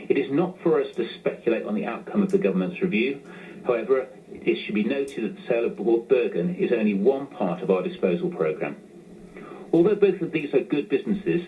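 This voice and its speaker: A man giving a scripted corporate financial presentation in a formal, measured way, as a company finance executive. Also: lowish voice. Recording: tinny phone-line sound with clear noise.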